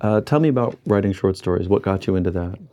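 A man hosting an interview, asking measured questions with frequent hesitations. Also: sits low, dark tone. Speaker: interviewer host.

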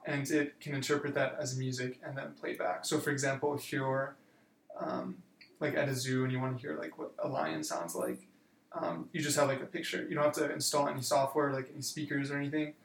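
A man in his twenties, a university student, answering interview questions in a relaxed way with many fillers. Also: medium pitch, a little fast, vocal fry, reverberant, slight background noise. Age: 20s. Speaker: student guest.

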